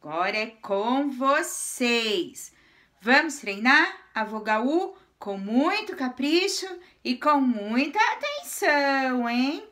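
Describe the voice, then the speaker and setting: A young woman with a Brazilian Portuguese accent, teaching a slow handwriting lesson on video for young children with patient, sing-song chanting. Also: high-pitched, very animated, pushed and bright. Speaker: kindergarten teacher.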